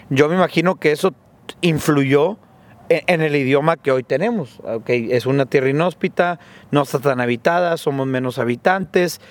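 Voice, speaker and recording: A man with a northern Mexican accent, hosting a casual podcast chat and joking in slang as he lays out his theories. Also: on the high side. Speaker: podcast host.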